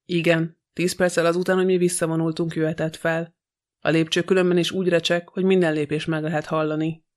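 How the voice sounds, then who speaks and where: A man's voice: a little high, little pitch movement, close to an everyday voice. A man reading an audiobook, voicing a sly, gossipy old female housekeeper who talks with scorn. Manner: grumbling, scornful.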